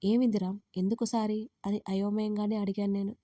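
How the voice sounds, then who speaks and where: A woman with a medium-pitched voice tells a first-person romance story at a brisk clip, recorded cleanly in a studio with no echo. She voices every character herself and gets livelier on the quoted lines.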